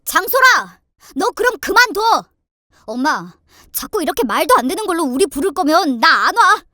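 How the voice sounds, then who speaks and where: A woman's voice: very high voice, sing-song, moderate pace, sharp tone, dry recording, studio quality, full character voice. A woman voicing an exasperated, blunt husband, confronting and reproachful, in a dramatized family story. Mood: angry, stern.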